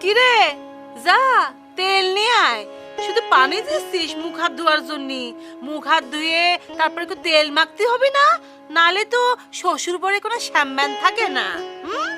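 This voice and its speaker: Needs a nagging middle-aged village mother, high and shrill, music bed behind. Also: lively intonation, normal speed, full character voice. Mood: scolding. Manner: scolding, sharp tongue, repeated questions. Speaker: mother and wife in a TV serial. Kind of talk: TV drama acting. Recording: background music under the dialogue.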